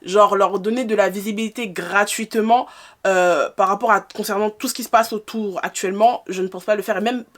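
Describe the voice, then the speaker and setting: Young woman, 20s, grew up in France, casual vlogger; blunt and exasperated, middle-pitched voice. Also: steady tone, fairly quick. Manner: frank, exasperated, rhetorical questions. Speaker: YouTuber answering viewer questions. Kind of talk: casual FAQ vlog.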